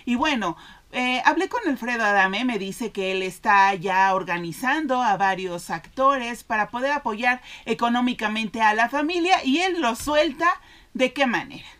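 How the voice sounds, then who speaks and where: A woman in her forties hosting a celebrity gossip show from a small studio desk, talking in a lively way with frequent fillers. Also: fairly high pitch, normal speed. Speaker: entertainment news host. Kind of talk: entertainment gossip commentary. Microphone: studio mic on stand in front.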